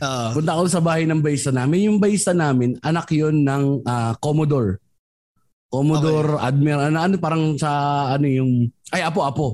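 This man has a normal speaking voice with a fairly high pitch and ordinary pitch variation. He talks at a fairly quick pace with very even loudness. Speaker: stand-up comedian and podcast host. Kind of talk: casual chat.

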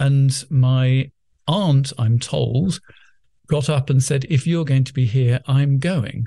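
Speaking very slowly at a medium pitch, a man has a dark, mellow tone, a somewhat breathy quality and fairly even intonation. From England. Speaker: marital therapist. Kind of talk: casual interview chat.

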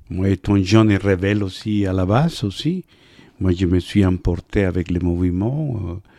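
A man with a Spanish accent, a dark, mellow tone and a very deep, low pitch, at a fairly slow pace with ordinary pitch variation. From El Salvador. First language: Spanish (speaking French). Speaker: theatre teacher. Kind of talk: casual interview.

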